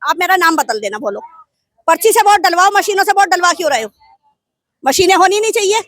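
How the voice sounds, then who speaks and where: A middle-aged woman with a very high, piercing voice talks fast and hard in a street interview. She is indignant and impassioned and keeps firing rhetorical questions. Her voice sounds close and dry. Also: animated, a bit bright, no echo. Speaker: interviewee, grieving mother.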